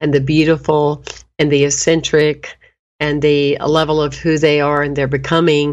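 This woman speaks at a moderate pace, her pitch very deep and low. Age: 50s. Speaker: radio show host and minister. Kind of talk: casual interview chat. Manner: animated.

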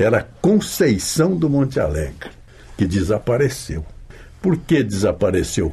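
With a dark, mellow tone and vocal fry, a man at medium pitch speaks fairly slowly, his pitch swinging very widely while his loudness stays very even. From interior of São Paulo state and northern Paraná, Brazil. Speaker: veteran sports radio announcer and news anchor. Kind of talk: interview, telling his life story.

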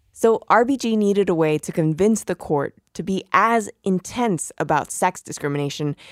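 A woman's plain, everyday voice, medium in pitch, at a moderate pace with lively intonation, in dry, close sound with no echo and a very clean recording with a silent background. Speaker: podcast host and reporter. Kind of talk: narrated radio storytelling with interviews.

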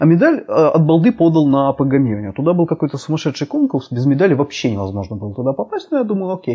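A man with a fairly high pitch talks very fast, his voice somewhat breathy. His pitch swings very widely. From Russia, Ivanovo region. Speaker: software tech lead. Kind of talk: interview.

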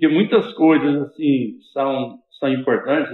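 This man speaks with a Goiás accent. His pitch is fairly high and his pace moderate. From interior of Goiás, Brazil. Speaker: agronomist and farmer. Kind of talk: interview.

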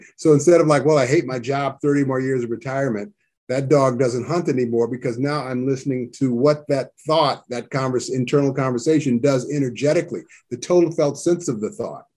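With a plain, everyday voice, a man talks at a fairly quick pace, his medium pitch staying in fairly even intonation. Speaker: author and tantra teacher. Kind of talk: interview.

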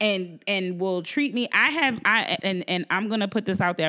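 A woman with an American accent, a fairly low pitch, ordinary pitch variation, and a moderate pace. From New Jersey. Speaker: podcast co-host. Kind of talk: casual chat. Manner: animated.

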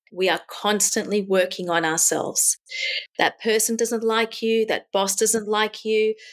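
A woman with an Australian accent speaks at a fairly slow pace in a fairly high voice. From Australia, Melbourne. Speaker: executive assistant. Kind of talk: interview conversation.

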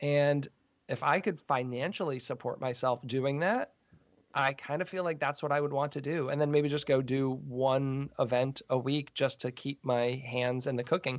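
A man's normal speaking voice, fairly high in pitch, with fairly even intonation and a moderate pace. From Massachusetts. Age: 40s. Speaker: chef and podcast host. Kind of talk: casual interview.

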